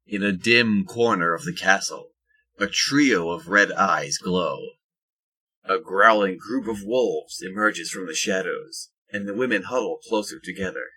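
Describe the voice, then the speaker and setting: A man reads scripted story narration for an audio drama. His voice sits low and is rough and husky. It has a bright, forceful edge. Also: unhurried, rough recording.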